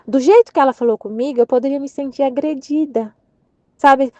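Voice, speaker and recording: A woman's voice: high-pitched, brisk, darkish tone, dry recording, dull audio. A woman sharing a casual religious reflection in a conversational way, restarting her sentences and acting out quoted speech. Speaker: catholic channel presenter.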